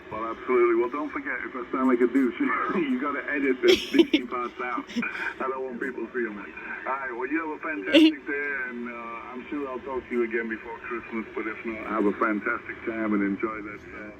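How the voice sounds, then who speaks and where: A man's voice: mid-range voice, a little fast. A middle-aged American man chatting casually and encouragingly over a radio transmission. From United States. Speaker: amateur radio operator. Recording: tinny, noisy shortwave CB radio signal.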